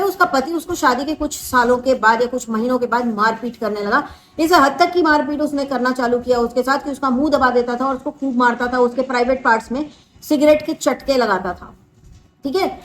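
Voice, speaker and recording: A young woman hosts a reaction video and talks through the case in earnest commentary. Her voice sits high, and she mixes Hindi with English phrases as she goes. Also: poor audio. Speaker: host of a reaction channel.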